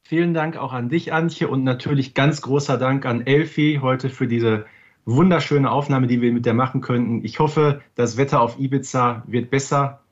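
Husky man podcast host. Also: mid-range voice, fairly even intonation, moderate pace, dull audio. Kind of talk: podcast interview hosting.

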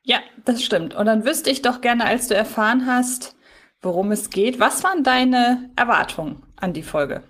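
Casting: female podcast host, lightly high pitch, chatty explainer style recorded at home. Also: moderate pace. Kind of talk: conversational fan podcast discussion. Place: at home, on a remote link.

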